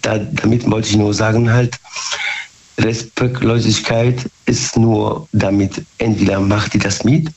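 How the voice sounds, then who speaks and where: Hoarse man on a muffled phone line. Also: fairly low pitch, little pitch movement, a little mellow. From Germany. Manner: halting, ungrammatical German, repeats "ja". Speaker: caller.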